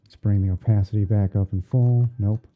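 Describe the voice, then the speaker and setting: A man hosting an ASMR livestream, narrating his editing step by step in an unhurried way, as if murmuring to himself while he works. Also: fairly low pitch, steady tone, faint music behind. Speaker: streamer hosting a roleplay. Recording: muffled phone-like band-limited audio.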